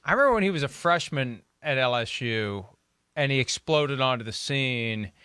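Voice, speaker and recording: Bright-voiced American male sports host. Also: medium pitch, lively intonation, normal speed, smooth, dry recording, studio quality. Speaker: sports talk show host. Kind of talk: sports commentary and discussion.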